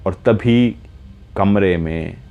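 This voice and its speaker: A man narrating a horror story in the first person, slow and measured, retelling events step by step. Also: low voice, creaky, smooth, lo-fi sound, faint music behind.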